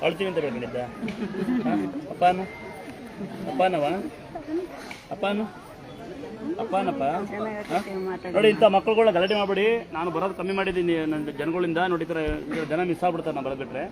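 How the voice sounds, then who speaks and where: Man, Kannada accent, temple priest, brisk rapid speech, raised pitch, loud crowd behind. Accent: Kannada, Karnataka. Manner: fast, forceful, instructing devotees. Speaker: temple priest addressing devotees. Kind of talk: loud public address to devotees.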